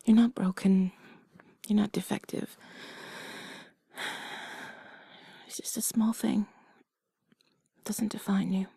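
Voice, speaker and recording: A woman voicing a tender, affectionate partner in a whispered role-play, breathy, gentle, intimate and reassuring. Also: medium pitch, fairly even intonation, unhurried, no echo, full character voice. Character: tender affectionate female partner comforting a loved one.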